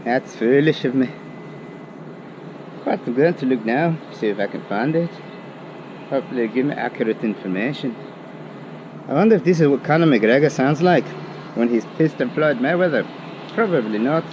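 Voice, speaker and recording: A man's voice: medium pitch, lively intonation, normal speed, pauses often, highs cut off. A young man, a student, talking to himself in a put-on Irish accent while walking outdoors, muttering and self-mocking. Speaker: student vlogger. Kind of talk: casual walking vlog commentary. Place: outdoors on city streets and a campus. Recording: street traffic noise outdoors.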